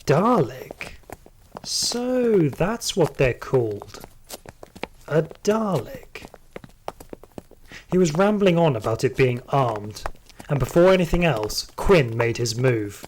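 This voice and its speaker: A man's voice: a little high, big pitch swings, takes it slowly, long pauses, darkish tone, slight background noise, poor audio. A man playing a hardened, trigger-happy security guard, telling his story in dramatic first-person audio drama narration. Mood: tense.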